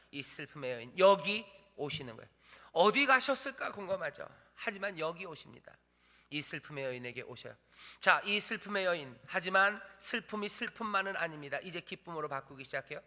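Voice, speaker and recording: A male pastor preaches with a bright, forceful voice pitched a little high. He repeats his phrases for emphasis and swings from ringing declarations to soft, hushed lines. His voice carries a long reverb from a large church hall. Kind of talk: sermon. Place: church sanctuary.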